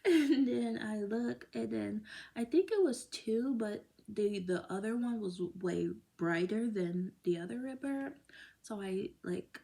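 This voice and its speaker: A woman's voice: on the high side, expressive, a little slow, vocal fry, dark tone. A woman in a casual faith vlog telling a personal story, rambling and emotional, with many fillers and restarts. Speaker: vlogger.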